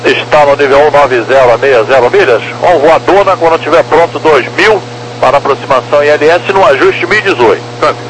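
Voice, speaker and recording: A man's voice: a little high, fairly quick, a bit bright, a little hiss or hum, low-quality recording. A Brazilian man working as an approach controller, giving matter-of-fact instructions in aviation phraseology over a radio transmission. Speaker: approach air traffic controller. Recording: faintly humming aviation radio.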